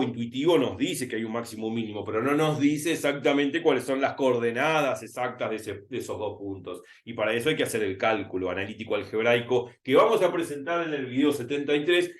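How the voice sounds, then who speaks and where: Argentine guy doing a math class video, talks to himself while he writes, says words over and over slow. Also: medium pitch. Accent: Rioplatense Spanish. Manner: thinking aloud while writing, repeating words slowly. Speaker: math tutor. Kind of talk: recorded math lesson.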